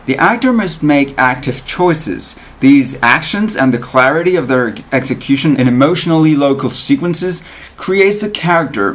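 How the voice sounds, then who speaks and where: A man reading an essay aloud as an actor would, with lively, emphatic and deliberate phrasing. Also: medium pitch. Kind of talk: expressive read-aloud of an essay.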